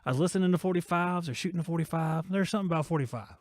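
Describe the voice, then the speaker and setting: A man's voice: on the high side, rapid-fire, dry recording, clean studio sound. A man in his forties hosting a live-streamed podcast from his workshop, rambling and joking as he reads viewer chat aloud. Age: 40s. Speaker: host of a live-streamed shop talk podcast.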